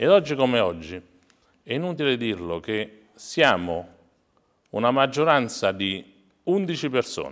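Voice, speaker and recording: A man speaks against a quiet background. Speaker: regional councillor. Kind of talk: political talk show debate. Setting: studio. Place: studio. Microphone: lapel.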